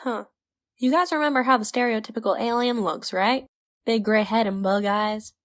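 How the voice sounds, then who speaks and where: A woman's voice: fairly high pitch, steady tone, moderate pace, close to an everyday voice. A woman playing a curious, wry adventurer in an audio drama, explaining things conversationally. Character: wry, curious female time-traveling adventurer.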